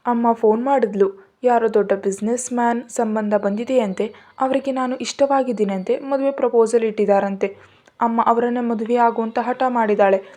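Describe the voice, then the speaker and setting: A woman's voice: on the high side, fairly even intonation, normal speed, warm tone, close to an everyday voice. A woman voicing a heartbroken young woman who is crying and despairing, in an audio story. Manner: despairing, self-pitying.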